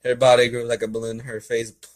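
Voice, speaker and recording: A man with a mid-range voice hosts and reads aloud in a casual way. His delivery is halting, with stumbles and repeated words as he goes. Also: medium pitch, monotone. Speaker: amateur fan fiction reader and video host. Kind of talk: casual commentary and read-aloud storytelling.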